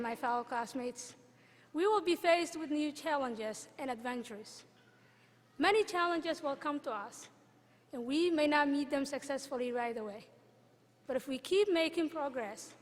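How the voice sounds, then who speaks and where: A young woman from Somalia delivers a graduation address at a podium microphone. Her voice sits high, and her words carry an earnest, measured pace with deliberate pauses. The sound rings out with the long reverb of a large hall. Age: young adult. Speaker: student commencement speaker. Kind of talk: graduation speech.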